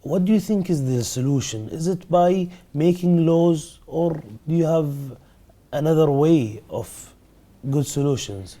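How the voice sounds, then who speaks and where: A man's voice: fairly high pitch, a little slow, dark tone. A man interviewing a former head of state, asking his questions with some hesitation. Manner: hesitant, with fillers.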